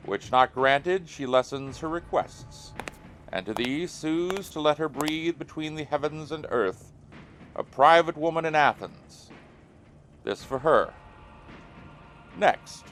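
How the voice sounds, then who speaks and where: A man's voice: medium pitch, fairly bright tone. A man playing a humble, ceremonious envoy who pleads with deference, in a Shakespearean audio drama. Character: humble, formal male envoy pleading to a conqueror. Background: music.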